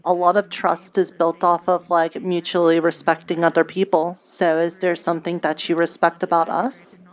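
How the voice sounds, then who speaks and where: A woman's voice: fairly low pitch, level tone, normal speed, close to an everyday voice. A woman playing a skeptical, frank adventurer in casual improvised roleplay. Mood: hesitant, frank. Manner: casual, skeptical, plain-spoken. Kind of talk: improvised virtual-reality roleplay.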